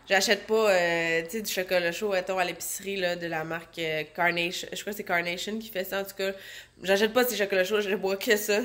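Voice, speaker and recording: Speaking into her phone indoors at home, a stay-at-home mom who vlogs talks casually to the camera with a Québécois French accent. She's in her thirties and has a cold, so she sounds congested and nasal while rambling and using many fillers. Her voice is mid-range and fairly bright.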